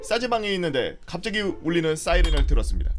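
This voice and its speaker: A man's voice: a little high, very animated, fast, over loud music. A man in his thirties, a streamer telling stories casually, swearing and acting out scenes with sound effects. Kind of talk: casual storytelling and reading viewer stories.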